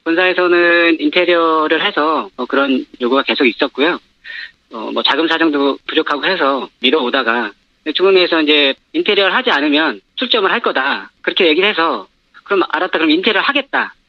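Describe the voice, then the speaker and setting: An anonymous man speaks over a dull, muffled phone line, his voice masked by a pitch-shifting modulator that pushes it somewhat high. He hedges and fills his sentences as he recounts his grievances. The line sounds dry and close. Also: brisk, no echo. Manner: hesitant, many fillers, aggrieved recounting. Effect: voice disguised with a pitch-shifting modulator. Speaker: former franchise store owner, anonymous interviewee. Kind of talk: phone-in news interview.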